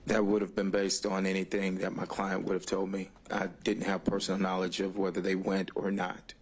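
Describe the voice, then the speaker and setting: A man testifying as a witness in court, speaking formally in a guarded, hesitant and deliberate way. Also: sits low, completely flat delivery, slight background noise.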